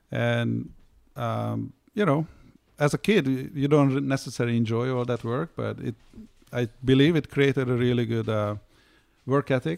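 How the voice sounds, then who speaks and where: A man with a Hungarian accent speaks at medium pitch and a moderate pace, with ordinary pitch variation and long, frequent pauses, in a dry, close sound with no echo. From Hungary. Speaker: winemaker. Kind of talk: casual chat interview.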